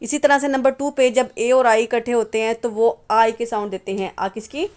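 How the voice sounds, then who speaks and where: A woman's voice: on the high side, fairly even intonation, normal speed, a little mellow. A woman teaching English phonetics, patiently repeating example words and asking and answering her own questions. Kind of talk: phonetics lesson explaining symbols.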